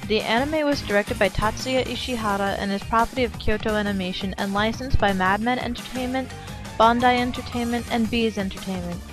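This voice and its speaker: A woman's voice: on the high side, a little fast, music in the background. A woman, an amateur voice actor, giving a scripted introduction and credits.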